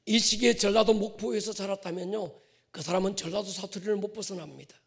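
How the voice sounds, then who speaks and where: A male pastor preaching a sermon to his congregation, swinging from loud stressed phrases to whispered endings and drawing out key words. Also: sits high, vocal fry, husky. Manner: addresses the congregation directly, drawn-out stressed words.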